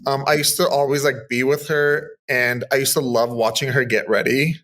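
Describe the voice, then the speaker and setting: A man's voice: mid-range voice, fairly even intonation, normal speed, a bit bright. A man in his thirties from Southern California, chatting upbeat as a podcast guest, full of casual fillers. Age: 30s. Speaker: guest, makeup artist. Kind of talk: casual interview chat.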